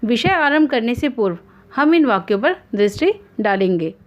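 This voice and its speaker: A woman hosting an online grammar lesson, explaining in a formal, measured way with examples. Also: on the high side, big pitch swings, lo-fi sound. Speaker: Hindi grammar teacher, channel host.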